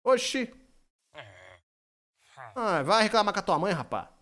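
A man's voice: high voice, sing-song, a little slow, sharp tone. A young man from Brazil with a Brazilian Portuguese accent, chatting playfully on a live stream while gaming and reading his chat aloud. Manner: playful, joking, reads chat aloud, rambling.

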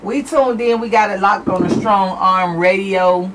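A woman hosting a live radio show, reading out listener shout-outs with lively, excited greetings. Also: medium pitch, measured pace, recorded from a distance, noisy background.

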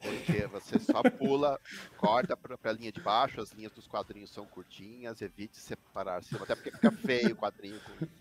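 A man's voice: on the low side, expressive, fairly quick. A man who writes comics, joking dryly in a casual panel chat.

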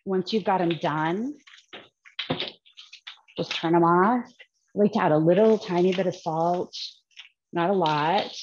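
Low-voiced woman demonstrating a recipe. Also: muffled recording, background noise. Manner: relaxed, chatty, explains as she cooks. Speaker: cookbook author demonstrating a recipe. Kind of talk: casual cooking demonstration. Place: home kitchen at the stove.

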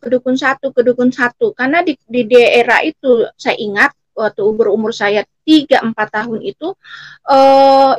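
A woman, giving a personal testimony haltingly, repeating words and breaking off mid-word. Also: high-pitched, no room sound. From Selat Panjang, Riau, Indonesia. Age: late 40s. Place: indoor room, seated, on a video call.

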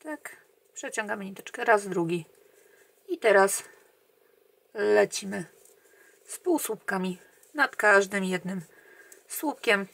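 In a step-by-step crochet tutorial, a woman speaks slowly, patiently and calmly, counting each stitch aloud under her breath. Her middle-pitched voice is gravelly, many counts trail off to near a murmur, and the recording is dry.

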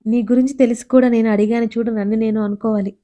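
Storybook heroine: woman reading a stubborn young woman who talks back, bright-pitched but warm. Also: fairly even intonation, close to an everyday voice. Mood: defiant. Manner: quick-tempered, defiant.

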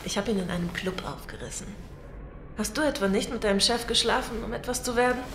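A woman's voice: fairly high pitch, fast, natural voice. An actress playing a brazen, ambitious, scheming woman in a German audio drama, cynical and unashamed. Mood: cynical, defiant. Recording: echoey room, clear background noise.

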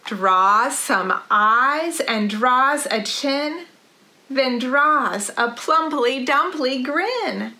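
High, bright-voiced woman leading children's storytime. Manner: animated, deliberate sing-song rhythmic delivery for young children. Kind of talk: children's storytime read-aloud. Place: living room, indoors.

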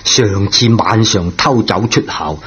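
An actor playing a good-natured but scolding school caretaker in a radio drama, colloquial and exclamatory. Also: male voice, fairly low pitch, lively intonation, a little slow, a bit bright. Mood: scolding, suspicious. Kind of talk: Cantonese radio drama acting. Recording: dull, noisy old radio recording.

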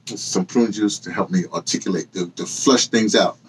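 In a small indoor room lined with bookshelves and hanging clothes, a sixty-something man with a low, husky voice delivers a loose, wandering monologue to camera at a moderate pace. His storytelling digresses and self-corrects, as befits a memoir-channel host and audio dramatist. The audio is poor, with slight background noise.

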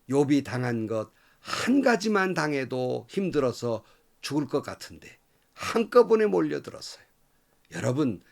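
A man's voice: mid-range voice, vocal fry. A male pastor giving a morning devotional sermon, earnestly asking his listeners rhetorical questions and sometimes dropping to a whisper.

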